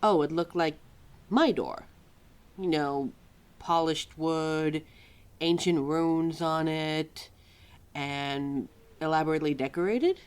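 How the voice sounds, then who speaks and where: A woman's voice: sits low, slow pace, clear, resonant tone. A woman playing a scatterbrained, centuries-old keeper of forgotten lore in a roleplay audio drama, flustered and hesitant as she talks to a listener. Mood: flustered, curious.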